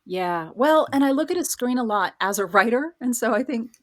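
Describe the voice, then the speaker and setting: A woman's voice: a little high, lively intonation, normal speed. A woman speaking as an interview guest, explaining things in an informal, conversational way. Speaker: podcast guest, writer. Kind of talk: casual interview chat.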